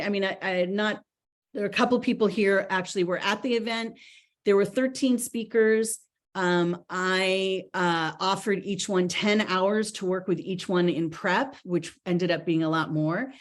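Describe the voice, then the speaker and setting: A woman presenting a grant report to a board in an online meeting, chatty with many ums and restarts. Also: mid-range voice. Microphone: video call.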